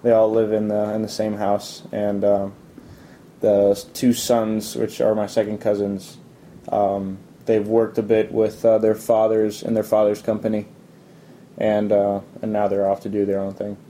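A man's voice: on the low side, completely flat delivery, measured pace, mellow, a little hiss or hum. A young man from Italy answering interview questions, hesitant, with many ums and restarts.

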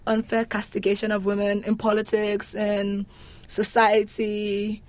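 A young woman from Nigeria with a Nigerian accent, a university student answering interview questions in an animated, emphatic, casual way. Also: medium pitch, unhurried. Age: young adult.

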